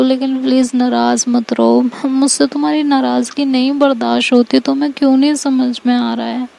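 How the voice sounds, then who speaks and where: A woman voicing a young woman pleading softly. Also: high voice, gravelly, heavily acted, poor audio. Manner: pleading, apologetic, coaxing. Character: young woman pleading with her angry girlfriend. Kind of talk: storyteller voicing a character.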